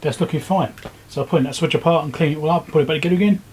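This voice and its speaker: A man giving casual, low-key commentary as he works, thinking aloud step by step like a repair video host. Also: rapid-fire, a little mellow, slight background noise. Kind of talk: casual hands-on commentary while working. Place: indoor repair workbench.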